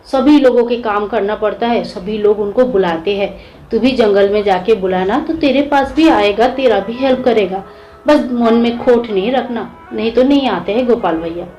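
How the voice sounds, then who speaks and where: A woman voicing a loving village mother who talks in a gentle, coaxing way. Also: on the high side, moderate pace, faint music behind, lightly acted, rough recording. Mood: reassuring.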